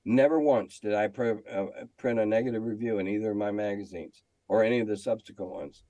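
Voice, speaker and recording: A man's voice: fairly low pitch, fairly even intonation, a little fast, dark tone, dry recording. An older man reminiscing casually in an interview, speaking emphatically and repeating phrases to make his point. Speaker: game designer and magazine editor guest.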